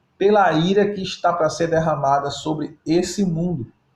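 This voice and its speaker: This man talks at a fairly slow pace. He takes his time. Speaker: pastor. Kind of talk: sermon.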